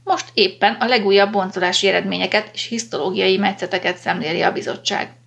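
A woman's voice: mid-range voice, vocal fry, a bit bright. A woman reading the lines of a tired young receptionist who answers with cool scorn. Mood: weary. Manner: weary and mocking.

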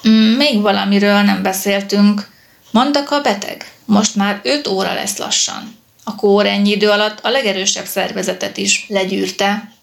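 A woman's voice: medium pitch, steady tone, creaky, lightly acted. A woman reading the lines of an earnest, persuasive male professor in an audiobook. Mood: earnest warning. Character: cautious male professor, doctor.

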